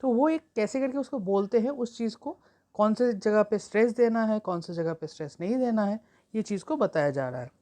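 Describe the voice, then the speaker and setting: A woman teaching an exam-prep lesson, reading English textbook lines slowly and then explaining them at length. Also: mid-range voice, animated, mellow.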